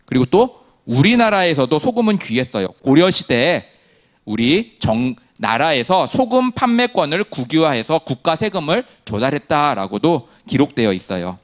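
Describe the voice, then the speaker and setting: Male pastor preaching, bit high voice, really lively up and down, asks the crowd questions then answers himself. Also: normal speed. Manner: animated storytelling with humor. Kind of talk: sermon to a congregation.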